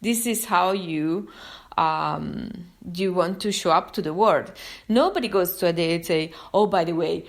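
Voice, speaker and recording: A woman's voice: lowish voice, a little slow. Chatty Italian-accented woman. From Italy. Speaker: therapist and podcast host. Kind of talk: casual live monologue.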